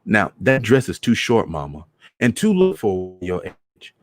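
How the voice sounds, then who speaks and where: Gentle grown son, read by a man, reproving, methodical, embarrassed, story reading, dry close sound. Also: on the low side, wildly swooping pitch, unhurried, no room sound. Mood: admonishing. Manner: admonishing, methodical.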